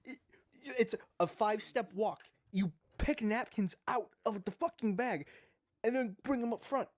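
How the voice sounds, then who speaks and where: A man's voice: high voice, a little slow, dry recording. A young man, a podcast co-host, telling a long story about an unhelpful friend in an exasperated way, swearing freely. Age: young adult. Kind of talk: casual storytelling chat.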